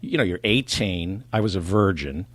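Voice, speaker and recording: A middle-aged New Jersey man appears as a comedian guest on a casual podcast, trading sardonic, self-mocking jokes in dry deadpan. His voice is low and his pace moderate, with no room sound.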